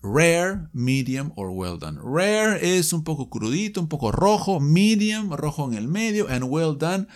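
Male English teacher, fairly high voice, animated, slow clear examples. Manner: lively and explanatory, repeating example phrases slowly. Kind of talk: online language lesson.

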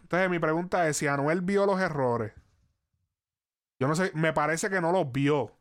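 A man's voice: a little high, moderate pace. A man hosting a casual chat, rambling and restarting his sentences, swearing casually.

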